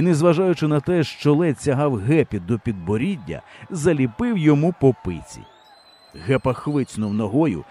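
A man narrating a humorous story in an audiobook, telling it in a lively way. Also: medium pitch, slightly rough. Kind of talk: scripted narration.

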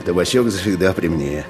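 An actor playing a wounded, stoic, good-natured village man in a radio play, with a folksy, laconic, halting manner. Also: sits low.

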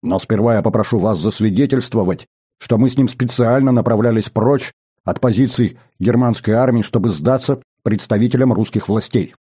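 Man doing a captured german sergeant pleading his case, earnest and polite, soft low tone. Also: normal speed, husky.

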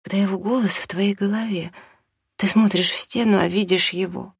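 A reader voicing a desperate mother torn by a new love, pleading in a husky, high, breaking voice. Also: fairly even intonation, normal speed, dry recording, clean studio sound. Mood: anguished. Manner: pleading, tearful, rising to high anguished pitch. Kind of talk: audiobook reading.

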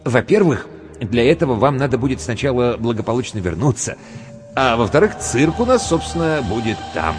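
A man doing a gentle serene old scientist. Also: mid-range voice, sing-song, moderate pace, voice pushed up, natural voice. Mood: soothing. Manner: gentle, soothing. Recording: long reverb with faint music.

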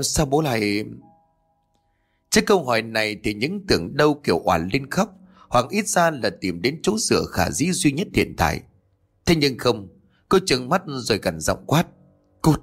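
Husky man narrating a horror story. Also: mid-range voice, fairly bright tone.

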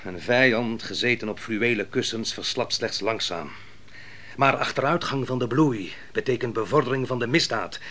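An actor playing a proud, ruthless biblical army commander in a radio drama, speaking in a grand, declamatory style. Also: male voice, mid-range voice, moderate pace, a bit bright, lightly acted. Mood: grave, scornful. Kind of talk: theatrical radio drama monologue and dialogue.

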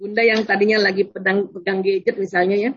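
A woman giving a religious talk on parenting, lively and often laughing as she acts out prayers and children. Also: medium pitch, quick pace, muffled recording, a little hiss or hum. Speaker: speaker on Islamic parenting. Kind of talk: religious talk with audience questions.

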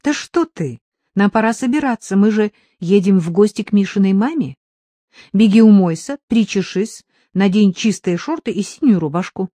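A woman voicing a gentle, somewhat anxious young mother in an audiobook. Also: medium pitch, animated, normal speed, no room sound, natural voice. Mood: motherly.

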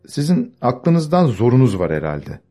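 A man doing a calm, mocking old servant. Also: medium pitch, normal speed, faint music behind. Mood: scornful. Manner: quiet, self-assured and scornful.

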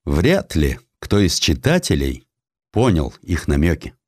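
A man reading a historical story as an audiobook narrator, in an expressive, dramatic literary style. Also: a bass voice, measured pace, no echo, studio quality. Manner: expressive, acting out quoted dialogue.

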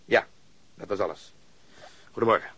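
An actor playing a blunt, sceptical police detective in a radio drama, with a dry, gruff, curt delivery. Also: male voice, lowish voice, moderate pace, a bit bright, no echo. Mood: curt, dismissive.

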